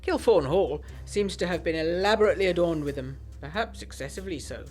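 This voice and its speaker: A woman voicing a courteous, faintly sinister male doctor with formal, measured phrasing in a gothic audio drama. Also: on the low side, darkish tone, husky, soft background music. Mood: brisk, knowing.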